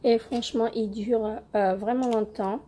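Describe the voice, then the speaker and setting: A young woman with a cold-roughened voice, hesitantly reviewing beauty products in a casual home vlog with many fillers. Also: on the high side, steady tone, measured pace, mellow, a little hiss or hum. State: hoarse from a cold. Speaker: beauty vlogger.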